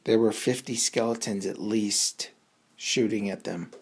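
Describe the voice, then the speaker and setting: A woman's voice: very deep voice, fairly even intonation, unhurried, slightly rough. A woman telling a suspenseful bedtime story for children in a dramatic, improvised way, repeating words for effect.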